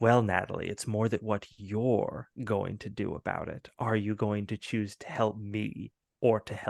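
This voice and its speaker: In a put-on character voice, a man speaks at a moderate pace with fairly low pitch and monotone, flat intonation, the sound dry and close with no echo. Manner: creepy, menacing.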